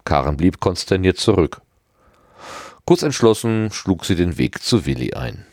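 Deep-voiced man reading a story. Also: sing-song, unhurried, darkish tone, no room sound, studio quality. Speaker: audiobook reader. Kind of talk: scripted narration.

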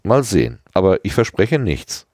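A man's voice: deep voice, big pitch swings, moderate pace, darkish tone, no echo, studio quality, voice pushed up. Man voicing an easygoing young man.

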